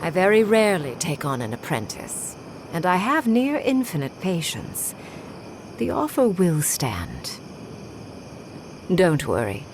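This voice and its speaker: Game archmage: imperious and jaded, deep female voice, widely swooping intonation, dry disdain. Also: wildly swooping pitch, unhurried, pauses often, background noise, full character voice. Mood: haughty, approving. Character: haughty, jaded, powerful woman archmage. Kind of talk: video game character acting.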